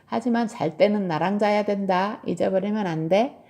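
A woman's voice: mid-range voice, moderate pace, darkish tone, close to an everyday voice. A woman voicing a stubborn young girl, scolding and emphatic, in a storybook read-aloud. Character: young girl, bossy and stubborn with her bear.

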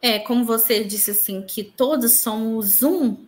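A woman's voice: fairly high pitch, unhurried. Earnest woman recounting spiritual experiences. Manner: earnest, tells her story with reported dialogue. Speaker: interviewee. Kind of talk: personal spiritual testimony.

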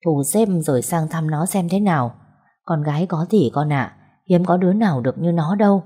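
A woman's voice: sits low, brisk, dark tone, slightly rough. A woman doing a fussing old grandmother. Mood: coaxing. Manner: scolding yet doting. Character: older grandmother, fussing and kindly.

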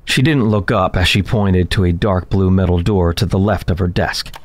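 A man's voice: sits low, fairly even intonation, moderate pace, a little hiss or hum, close to an everyday voice. An actor playing an uneasy man trapped in a deadly game, narrating a horror audio drama in a tense, dramatic way. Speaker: narrator and lead character. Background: loud music.

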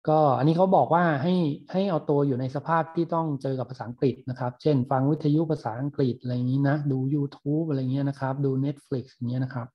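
A man with a husky, slightly breathy voice teaches a recorded online class. He explains words patiently and pauses to gloss them. The recording sounds dull and lo-fi. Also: medium pitch, fairly even intonation. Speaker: university lecturer.

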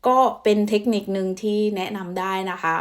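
A woman from Thailand talks straight to her viewers in a casual vlog. She is chatty and relaxed and fills her pauses with little fillers as she explains. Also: medium pitch. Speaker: vlogger.

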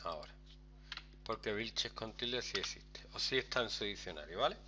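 A man's voice: on the low side, normal speed, noisy background. A man, teaching a class in a chatty, step-by-step way and often checking in with his students. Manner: lively, chatty, explains step by step with frequent "¿vale?". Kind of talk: screen-recorded software lesson.

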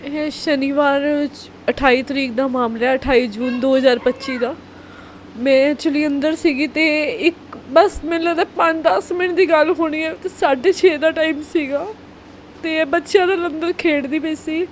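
A woman, a tearful and upset mother answering a reporter's questions in halting, repeated phrases. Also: sits high, fairly even intonation, slight background noise. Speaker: mother of a missing girl.

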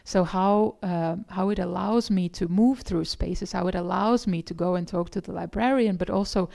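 A woman speaks with a gravelly creak and a soft, dark tone. She presents like an academic at a conference, reflective and thoughtful, often restarting her phrases as she explains. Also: fairly low pitch, normal speed. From Eastern Europe. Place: indoor conference room, presenting in front of slides.

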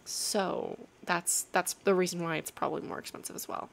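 Soft young woman with gentle vocal fry. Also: fairly low pitch, fairly even intonation, moderate pace. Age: 19, young adult. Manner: soft, often half-whispered, hesitant casual delivery. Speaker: ASMR roleplay performer playing an affectionate girlfriend. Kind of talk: intimate ASMR girlfriend roleplay, casual chat. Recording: clear background noise, rainy night ambience. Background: rain ambience.

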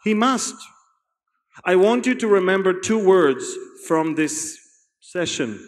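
An Israeli man delivers a sermon, his voice pitched high for a man. He talks animatedly, acting out scenes and repeating key words. The sound carries a long reverb, as if from a large hall. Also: lively intonation, slow. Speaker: Bible teacher.

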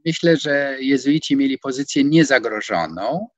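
A man in his sixties giving an online lecture from a home study, hesitating with many fillers and stressing words with rising pitch. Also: lively intonation, normal speed, no room sound. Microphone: video call. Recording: dull, dry video-call audio.

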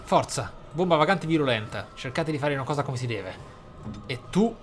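A man's voice: medium pitch, lively intonation, normal speed. A man hosting a gameplay video, commentating in a roleplay style with wry, rather formal wording. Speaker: gaming video host. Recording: clear game noise behind voice. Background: video game sounds.

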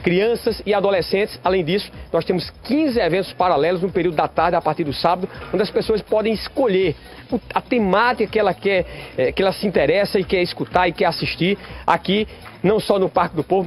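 A man with a notably high voice speaks as a pastor in a live interview. He explains things in a measured, inviting way, talking into a handheld reporter mic at an open-air venue under a big tent. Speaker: pastor and event organizer. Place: outdoor event venue under a large tent roof. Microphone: handheld reporter microphone.

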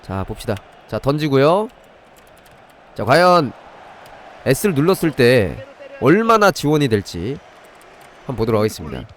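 A man's voice: medium pitch, wildly swooping pitch, a little slow, pauses often, a little hiss or hum. A man hosting a live game stream, explaining things step by step while chatting with viewers. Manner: demonstrates step by step while breaking off to address viewers. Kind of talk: live gaming commentary and review, chatting with viewers.

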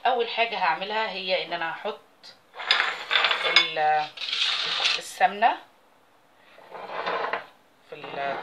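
A woman's voice: fairly low pitch, measured pace, pauses often, very noisy. A woman with an Egyptian Arabic accent, hosting a home cooking video and chatting casually while she works with her hands. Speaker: cooking channel host. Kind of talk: casual recipe demonstration.

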